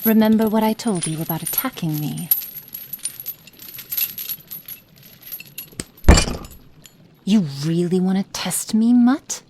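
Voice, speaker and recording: A woman voicing a cruel, cold witch experimenting on a captive in an ASMR roleplay, speaking slowly and menacingly and slipping into soft whispers. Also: mid-range voice, background noise, lightly acted.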